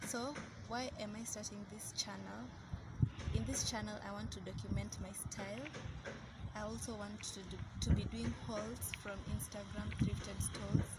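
Long, frequent pauses break up this woman's moderate-paced speech. Loud background noise runs underneath. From Kisumu, Kenya. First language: Luo. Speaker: vlogger. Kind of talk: casual vlog intro. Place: street. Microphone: phone near.

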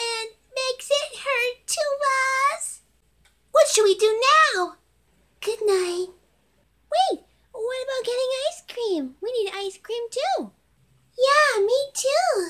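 A woman's cartoonish character voice at an extremely high pitch, fairly slow, with long, frequent pauses. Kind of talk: cartoon character voice.

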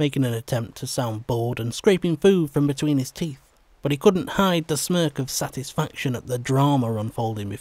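Lively intonation marks this plain reading aloud.

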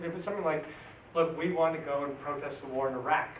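Audible room echo and light background noise surround a very fast voice with fairly even intonation. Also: man. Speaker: committee member. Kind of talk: public meeting. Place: meeting room. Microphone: camera far.

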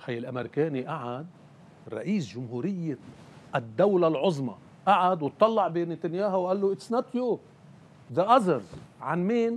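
This man talks at a fairly slow pace, leaving long, frequent pauses. His voice sits high for a man and makes very wide pitch swings. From Lebanon. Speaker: former member of parliament. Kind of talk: political interview. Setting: studio. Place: studio. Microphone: lapel.

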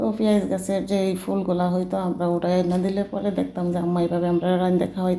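Audible room echo surrounds a woman speaking in a Sylheti accent. Her medium-pitched voice has fairly even intonation and very even loudness. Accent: Sunamganj regional Bengali dialect. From Bangladesh, Sunamganj (Sylhet region). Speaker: vlogger and housewife. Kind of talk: casual vlog talk.

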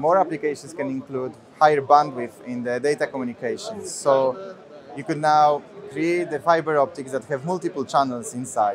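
Over light background noise, a man talks at a moderate pace with ordinary pitch variation, the sound dry with no echo. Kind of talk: product demonstration explanation. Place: hall. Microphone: lapel.

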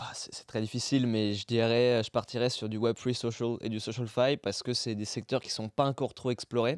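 A man in a monotone, flat intonation, on a very clean recording with a silent background and a dry, close sound with no echo. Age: 20s. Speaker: crypto entrepreneur. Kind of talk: casual chat. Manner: halting.

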